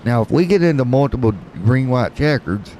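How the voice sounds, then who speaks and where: A man's voice: medium pitch, animated, fairly quick, mellow, a little hiss or hum, poor audio. A man calling an esports race, with jokes and rambling play-by-play. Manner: joking, rambling play-by-play with fillers. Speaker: race commentator.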